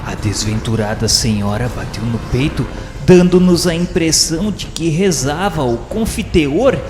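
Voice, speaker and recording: A man's voice: on the high side, lively intonation, measured pace, darkish tone. A man narrating a radio novela from a script, with solemn, theatrical delivery and literary phrasing. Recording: echoey long reverb, music underneath. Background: clear background music.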